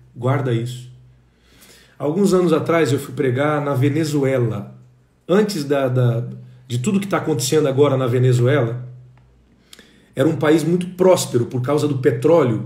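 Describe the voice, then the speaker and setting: Somewhat breathy and dark, mellow in tone, a man's fairly high voice moves at a moderate pace with long, frequent pauses amid audible room echo. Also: ordinary pitch variation. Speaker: preacher and teacher. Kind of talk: lecture. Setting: livestream.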